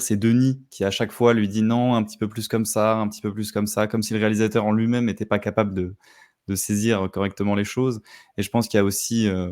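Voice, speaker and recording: Low, flat-voiced man analysing films. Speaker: film critic guest. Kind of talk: casual film discussion.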